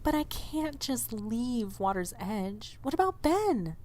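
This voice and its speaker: A woman's voice: a little high, sing-song, slow pace, a little mellow, slight background noise. A woman playing an earnest, loyal young diner waitress in audio drama dialogue, speaking expressively and a little hesitantly. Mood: conflicted.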